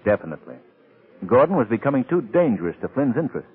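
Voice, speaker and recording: An actor playing a suave, wry gentleman sleuth in an old-time radio drama, urbane and drily ironic, on a tinny old recording. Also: medium pitch, sing-song, fast, husky. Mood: wry, scheming.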